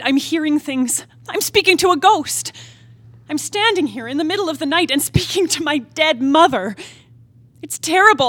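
A woman's voice: high voice, sharp tone, dry recording. A woman acting a restless, defiant young wife in a dramatic stage play reading, yearning and impassioned. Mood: agitated, defiant. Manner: theatrical, impassioned soliloquy. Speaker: playwright reading her own play.

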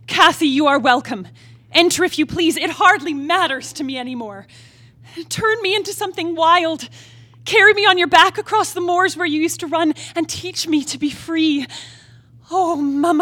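A woman's voice: high voice, bright, forceful tone, no room sound. A woman acting a restless, defiant young wife in a dramatic stage play reading, yearning and impassioned. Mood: pleading, wild. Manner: theatrical, impassioned soliloquy. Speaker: playwright reading her own play.

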